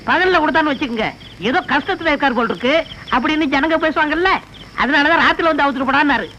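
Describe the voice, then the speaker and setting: A naive, fast-talking sidekick. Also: male voice, extremely high pitch, bright, forceful tone, a little hiss or hum, low-quality recording. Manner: quick, naive, excuse-making replies. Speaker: actor in a film comedy. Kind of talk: film comedy dialogue.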